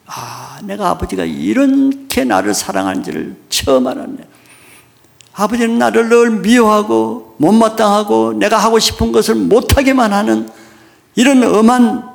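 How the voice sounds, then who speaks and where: A man preaching who voices a remorseful young son begging his father's forgiveness in a slow, soft, lowered voice. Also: very animated, vocal fry, full character voice.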